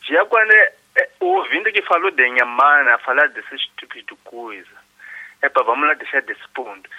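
A man, a sports commentator rambling through greetings to clubs and colleagues. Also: medium pitch. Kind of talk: radio sports debate. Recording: dull lo-fi line.

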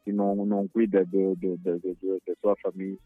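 A man's voice: sits low, level tone, a little fast, no echo, narrow, tinny audio, faint music behind. A man chatting on a radio show, upbeat and laughing easily, with hesitant restarts. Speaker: radio guest. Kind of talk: casual radio chat.

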